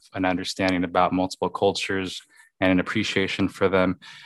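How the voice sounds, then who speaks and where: A man's very deep, low voice in a Californian accent at a fairly quick pace. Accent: general American, Californian. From Los Angeles, California. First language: Spanish. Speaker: lawyer. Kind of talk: panel discussion.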